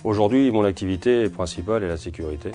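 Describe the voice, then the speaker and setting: A Portuguese security company owner in his forties answers interview questions hesitantly, with lots of fillers and restarts. His voice is fairly low and he talks quickly over loud music.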